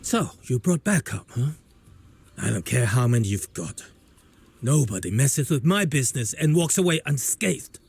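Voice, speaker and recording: An actor voicing a scheming, menacing black market debt collector in a video game, taunting and brash. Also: male voice, medium pitch, sing-song, moderate pace, gravelly, a little mellow, faint music behind. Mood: angry, threatening. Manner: taunting, swaggering.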